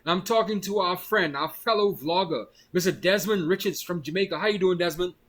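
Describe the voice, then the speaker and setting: A man's voice: sits high, brisk, fairly bright tone. A man hosting a casual online interview, chatty and friendly, often tossing in the word "man" while he asks his questions. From Bahamas. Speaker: host.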